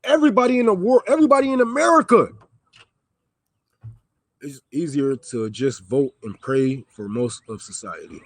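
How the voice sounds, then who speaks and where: Man, high-pitched, heated livestream rant, profane, repeats himself, dry sound. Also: lively intonation, normal speed, no room sound. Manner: heated, profane, preachy, repeats lines for emphasis. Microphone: microphone.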